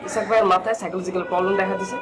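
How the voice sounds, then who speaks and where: Brief: mocking young man, played by an actor, rapid high-pitched comic delivery. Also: steady tone, a crowd in the background, close to an everyday voice. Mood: defensive. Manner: cheeky, defensive, mocking. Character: cheeky young man denying theft. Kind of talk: TV drama acting.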